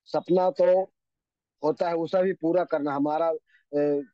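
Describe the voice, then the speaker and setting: A man's voice: fairly high pitch, steady tone, no room sound. A man giving a motivational seminar speech at a direct-selling event. He repeats key phrases over and over and drops in couplets and sayings. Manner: says he talks fast. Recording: slightly muffled, dry lo-fi sound.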